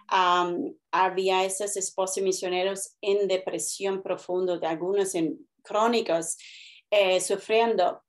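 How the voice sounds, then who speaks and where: This woman talks at a very slow pace. Her intonation stays fairly even. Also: medium pitch for a woman. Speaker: missionary's wife and author. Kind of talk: interview testimony.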